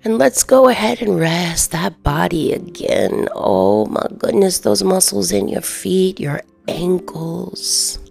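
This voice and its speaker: Female meditation guide, very slow and soothing, soft half-whispered delivery, lowish creaky voice, faint music underneath. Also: sing-song. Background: soft background music.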